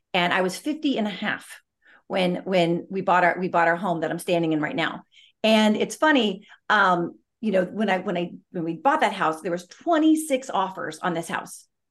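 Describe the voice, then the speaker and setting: An unremarkable speaking voice belongs to a woman of medium pitch who speaks at a moderate pace with lively intonation. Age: 50s. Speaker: entrepreneur and mom. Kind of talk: interview.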